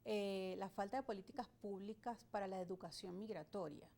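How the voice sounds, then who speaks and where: A mid-pitched woman from Venezuela speaks as an immigration lawyer in a studio interview. She explains in a measured way, often pausing on fillers while she thinks through each point. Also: warm tone. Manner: measured, explanatory, with frequent hesitations. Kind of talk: interview answers.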